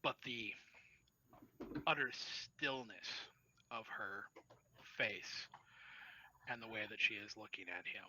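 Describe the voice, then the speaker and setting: Bright-voiced man running a tabletop game. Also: on the low side, a little hiss or hum, poor audio. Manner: halting, many restarts while narrating. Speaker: storyteller.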